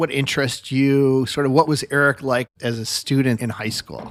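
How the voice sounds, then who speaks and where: The sound is dry and close, with no echo. A man talks at a moderate pace and a fairly high pitch. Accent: Midwestern. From US Midwest, north suburbs of Chicago. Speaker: podcast host, venture capitalist. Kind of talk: casual interview.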